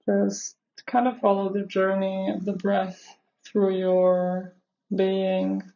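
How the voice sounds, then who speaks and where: A woman leading a guided meditation in a measured, instructional way, with long pauses between phrases. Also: medium pitch, little pitch movement, vocal fry, dark tone, highs cut off. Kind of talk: guided meditation, live session.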